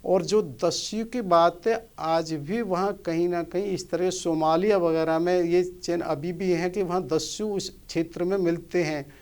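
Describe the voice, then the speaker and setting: A man's voice: high-pitched, fairly even intonation, unhurried, a little mellow. A man, a motivational speaker, earnestly explains scripture in a conversational way and asks rhetorical questions.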